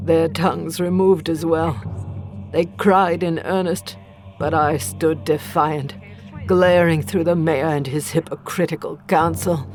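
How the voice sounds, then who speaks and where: A woman playing an accused village healer, bitter and defiant, narrating a horror audio drama gravely and deliberately in a creaky voice. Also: deep voice, darkish tone. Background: faint music.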